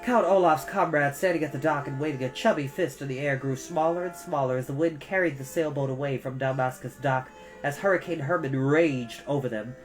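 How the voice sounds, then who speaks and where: A woman reading a storybook aloud as a storytime host, with expressive, deliberate emphasis on key words. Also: rumbling low, faint music behind.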